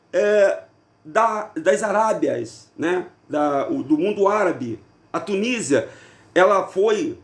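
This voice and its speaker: A man's voice: sits high, reverberant. A man from Rio de talking casually to viewers, chatty and full of rhetorical questions. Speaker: video host. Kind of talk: casual monologue to camera.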